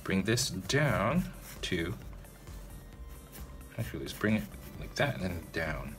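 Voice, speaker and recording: A man with a low yet bright, forceful voice talks through a drawing step by step in a relaxed way. He speaks straight to his viewers and often pauses to ask "okay?". Faint music plays behind him. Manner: casual, addresses viewers directly, frequent "okay?" check-ins. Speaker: drawing tutorial host. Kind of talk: narrated step-by-step drawing tutorial.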